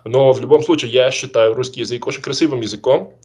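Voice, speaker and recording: A man's voice: mid-range voice, a little fast, darkish tone, husky. A young man hosting a casual conversation, asking questions and steering the talk.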